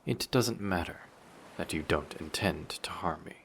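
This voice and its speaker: A man playing a dangerous, flirty sea monster in an intimate audio drama, speaking in a measured, quietly menacing way with formal wording. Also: low-pitched, slight background noise. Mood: regretful, menacing. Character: dangerous, possessive, flirty male sea monster with fish tail.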